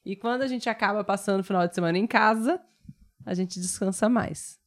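A Brazilian woman co-hosting a casual podcast chat, talking in a relaxed, unhurried way. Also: medium pitch. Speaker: podcast co-host.

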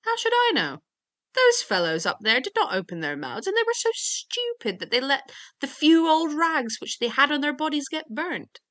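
Woman playing high, naive, fearless storybook youth. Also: sing-song, moderate pace, a bit bright. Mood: indignant. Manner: naive, emphatic, earnest. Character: simple, fearless, stubborn young man of fairy tale.

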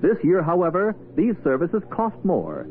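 A man's voice: high voice, huge pitch swings, normal speed. An American man working as a radio announcer, reading scripted copy in a polished, formal 1940s style. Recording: tinny, hissy 1940s radio recording.

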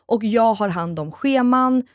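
A woman co-hosting a podcast in casual chat, telling stories in a lively way and acting out what people said. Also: on the high side, no echo. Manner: animated storytelling, acts out quoted exchanges. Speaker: podcast co-host. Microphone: studio microphone.

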